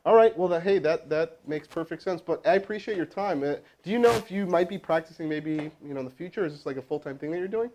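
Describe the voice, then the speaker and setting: A man hosting a live stream as a sales trainer, energetic and casual, with chatty asides to his crew. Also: on the high side, fast talker, few pauses, slight background noise, rough recording. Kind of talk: hyped live-stream coaching and cold calling. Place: indoor room with crew present.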